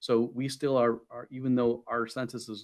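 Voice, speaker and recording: A man with an unremarkable speaking voice talks at a medium pitch. His pace is fairly quick, and the background is quiet. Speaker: nursing facility administrator presenting to county board. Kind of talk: budget presentation at government committee meeting. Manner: many fillers and repetitions.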